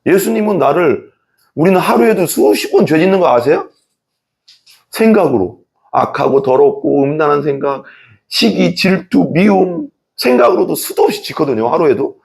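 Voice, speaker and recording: A man's voice: on the high side, normal speed, gravelly. A man in his thirties preaching a sermon as a pastor, acting out quoted thoughts with laughs. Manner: lively, acts out quoted inner thoughts with laughs.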